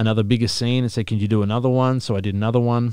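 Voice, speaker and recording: Over a very clean recording with a silent background, a man speaks at a very fast pace in a monotone, flat intonation. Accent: Australian. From Australia, Yarra Valley (rural Victoria). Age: 30s. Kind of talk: casual interview chat. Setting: studio.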